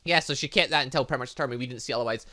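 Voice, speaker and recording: A man giving excitable, rambling commentary as he plays through a game, often thinking aloud. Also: medium pitch, rapid-fire. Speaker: gaming channel host.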